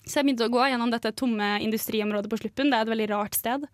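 A woman's voice: on the high side, steady tone, dry recording, studio quality. A young woman, co-hosting a radio show and telling a story in a casual chat. She laughs often and uses many fillers. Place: radio studio.

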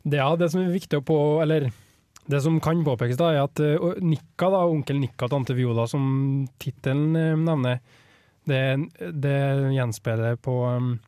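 A man's voice: a little high, warm tone, smooth, no room sound, clean studio sound. A man reviewing a book and reading a poem aloud on a radio show, talking hesitantly with many fillers.

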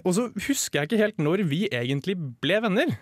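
A man's voice: sits high, very animated, no room sound, clean studio sound. A young man co-hosting a comic radio chat show, handing out playful mock-serious advice, then speaking earnestly and candidly to his co-host. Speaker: podcast co-host.

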